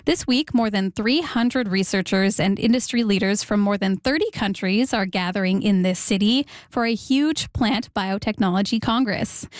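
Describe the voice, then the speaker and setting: A woman's voice: medium pitch, no echo, studio quality. Polished woman radio host. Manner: polished, clear questioning. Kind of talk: radio interview hosting.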